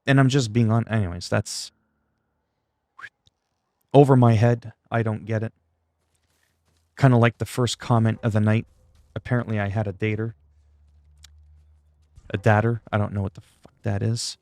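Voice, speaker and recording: A man's voice: on the low side, fairly even intonation, normal speed, pauses often, darkish tone, no echo. A man from Canada whose first language is French, chatting casually on a livestream in a self-deprecating, salty, freely swearing way. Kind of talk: casual rambling livestream chat.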